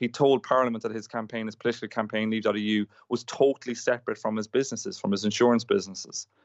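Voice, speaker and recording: A man with an Irish accent, medium pitch, very fast pace, hardly any pauses and fairly even intonation. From Ireland. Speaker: journalist and author. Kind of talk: interview.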